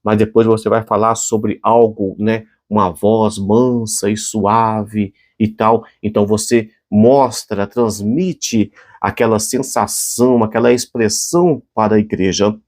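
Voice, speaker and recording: A man's voice: lowish voice, fairly even intonation, a little slow, hardly any pauses, darkish tone. A man with a Brazilian Portuguese accent preaching a short devotional sermon and closing in prayer, speaking earnestly and conversationally with frequent restarts and fillers.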